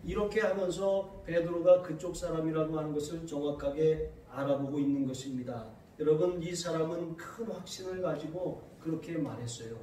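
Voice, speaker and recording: A man preaching, recorded from a distance in a big, ringing church sanctuary. His voice sits high. He reads scripture slowly and turns to lively anecdotes. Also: heavy reverb, a little hiss or hum. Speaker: pastor. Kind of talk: sermon.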